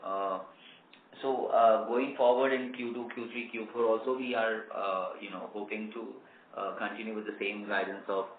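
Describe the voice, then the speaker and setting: A man with an Indian accent answering analysts as a company executive, hesitant and measured. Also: on the low side, steady tone. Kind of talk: earnings call answers. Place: conference call, roomy space. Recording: echoey, hissy phone line.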